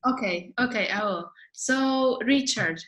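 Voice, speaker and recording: Woman moderator, high-ish and slow, hesitant, on a video call. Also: a bit bright, a little hiss or hum. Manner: hesitant, many fillers. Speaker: moderator of introductions. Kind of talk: casual meeting facilitation.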